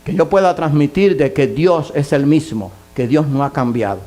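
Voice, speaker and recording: A male pastor preaching a sermon and leading a prayer, earnest and emphatic, stacking repeated phrases and climbing to fervent high passages. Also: normal speed, warm tone, faint music behind.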